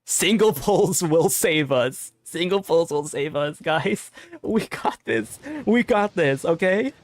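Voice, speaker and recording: A man's voice: fairly high pitch, slow pace, dry recording. Chatty young male game streamer. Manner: chatty, talks to viewers, bursts into laughter and excited shouts. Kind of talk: casual gaming livestream chat. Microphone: desk mic with limiter filter.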